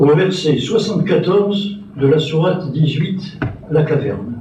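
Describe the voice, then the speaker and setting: Very slow speech from a man, against noticeable background noise. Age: 80s+. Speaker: scholar and translator. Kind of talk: lecture.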